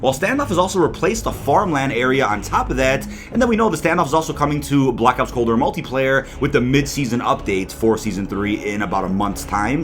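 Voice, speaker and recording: A man hosting a gaming news video with scripted commentary, delivered with emphatic stresses. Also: medium pitch. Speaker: gaming YouTuber, host. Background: background music.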